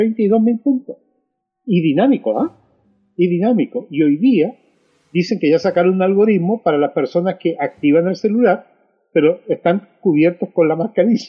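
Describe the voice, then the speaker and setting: A man with a high voice and lively, bouncing intonation. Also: moderate pace, big swings in loudness. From Chile, Valparaíso. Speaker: retired educator and pedagogy scholar. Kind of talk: interview.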